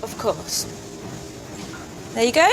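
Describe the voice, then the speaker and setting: A woman playing a polite, patient gym receptionist in a slow scripted lesson dialogue. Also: on the high side, sing-song, vocal fry, music in the background, exaggerated voice.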